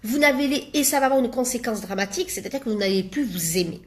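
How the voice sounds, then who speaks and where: A woman's voice: on the high side, lively intonation, quick pace. A woman life coach giving a casual motivational talk to camera, chatty and full of fillers. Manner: chatty, many fillers, acts out little quoted exchanges.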